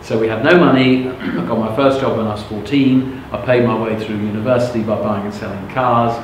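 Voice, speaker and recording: He speaks a little fast, with fairly even intonation and a medium-pitched voice: a middle-aged man from England, natively Russian-speaking, giving his life story to a live audience as a motivational speaker. Frank and conversational, he frequently checks that people understand. The recording suffers from heavy echo and background noise.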